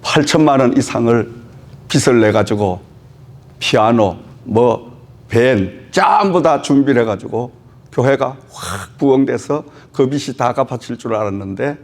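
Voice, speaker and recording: A man's voice: medium pitch, a little mellow. A middle-aged male pastor preaching a sermon, telling a personal story with emotional swells and frequent rhetorical prompts to the congregation.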